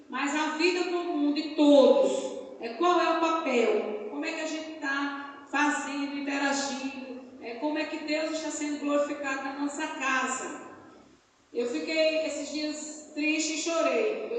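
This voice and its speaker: A woman's voice: sits high, a little hiss or hum. A woman with a Brazilian accent preaching a fervent sermon at a family church service. She keeps asking "né?" and breaks into praise. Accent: Brazilian Portuguese. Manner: fervent, peppers speech with "né?" tag questions and praise shouts. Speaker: missionary preacher. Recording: echoey church hall, mic far off.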